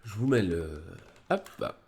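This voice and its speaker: A man with a deep, low voice talks through a psychology article on his live stream. He has a cold. He speaks casually and hesitantly, full of fillers and restarts. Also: very animated, measured pace, darkish tone. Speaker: streamer presenting a psychology review.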